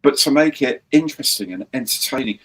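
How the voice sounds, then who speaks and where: A man's voice: medium pitch, animated, brisk, slightly rough. A man hosting a casual live-stream chat, rambling and chatty with some mild swearing. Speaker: host.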